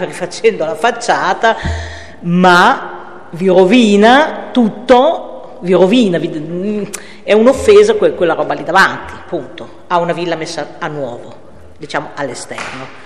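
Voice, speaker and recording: A male town councillor speaks his mind at a council meeting, frank and emphatic. His voice is high, and the room is echoey with a long reverb tail. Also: a bit bright. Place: council chamber.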